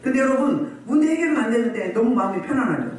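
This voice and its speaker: A woman's voice: a little high, lively intonation, quick pace, darkish tone. A woman pastor preaching a sermon at a healing service. She scolds the congregation and keeps firing rhetorical questions at them. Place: church hall. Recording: very echoey hall, voice far from mic.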